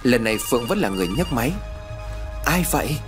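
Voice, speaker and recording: Expressive male storyteller, faint music. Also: medium pitch, rapid-fire. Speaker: narrator. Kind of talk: storytelling narration.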